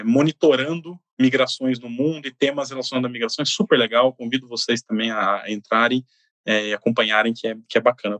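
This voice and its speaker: A man's voice: mid-range voice, fairly bright tone, no echo. A man, an expert guest on a podcast, speaking enthusiastically and with jokes and many fillers. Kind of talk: casual interview chat.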